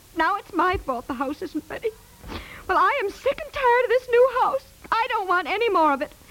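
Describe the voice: Putting on a character voice, a woman speaks at a fairly quick pace in an extremely high pitch, her tone fairly bright and her pitch swinging widely.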